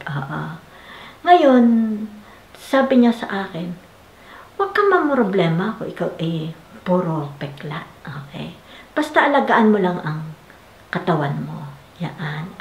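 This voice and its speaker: Filipina woman vlogger telling a personal story. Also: medium pitch. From Philippines. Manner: animated, laughing, quoting her husband. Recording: echoey room with faint noise.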